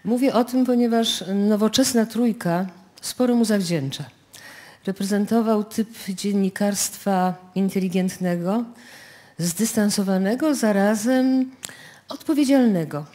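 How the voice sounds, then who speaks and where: A woman's voice: mid-range voice, dark tone. A woman radio host introducing a live radio play from the stage to a studio audience.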